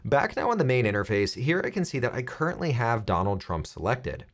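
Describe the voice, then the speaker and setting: A man in his thirties presenting a software tutorial, explaining things clearly step by step. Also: medium pitch, big pitch swings, a little fast.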